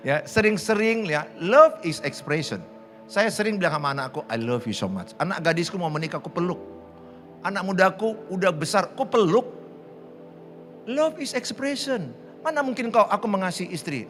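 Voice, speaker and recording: Lively, animated male pastor preaching. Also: fairly high pitch. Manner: animated, commanding congregation to repeat lines. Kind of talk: sermon. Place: large church hall.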